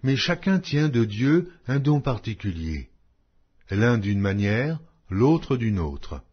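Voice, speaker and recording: A man's voice: mid-range voice, sing-song, slow, husky. A man narrating a Bible audiobook in a solemn, declamatory way, reading scripted text with emphatic phrasing. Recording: dull, lo-fi audio.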